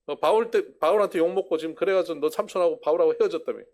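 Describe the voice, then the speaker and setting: A man voicing a blunt, gruff middle-aged male apostle who talks in a brusque, scolding way and then confesses. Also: on the high side, very fast, darkish tone, voice pushed up, lightly acted.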